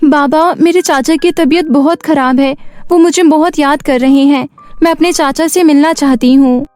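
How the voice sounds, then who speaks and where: A woman's voice: sits high, steady tone, normal speed, darkish tone, dry recording, soft background music, close to an everyday voice. A woman voicing a sweet, earnest young orphan girl in a cartoon moral story. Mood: worried.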